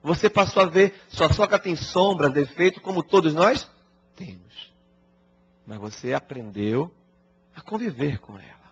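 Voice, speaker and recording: A wise old village sage counsels calmly and reassuringly, as a man puts him on. The voice is husky and rather high for a man, swinging lively through its pitch. The sound is dull and lo-fi, like an old broadcast. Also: unhurried, exaggerated voice.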